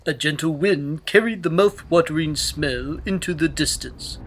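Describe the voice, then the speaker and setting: A man's voice: on the high side, moderate pace, fairly bright tone, slight background noise. A man reading a children's storybook aloud as scripted narration. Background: music.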